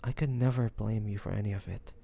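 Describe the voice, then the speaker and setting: A man's voice: on the low side, steady tone, quick pace, mellow. A man playing a devoted, anxious young man caring for a wounded loved one, tender and hesitant, in a romantic audio roleplay. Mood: tender, reassuring. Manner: tender, hesitant, breathy sighs, addressing the listener. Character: devoted, anxious young man tending his wounded dragon-shifter beloved.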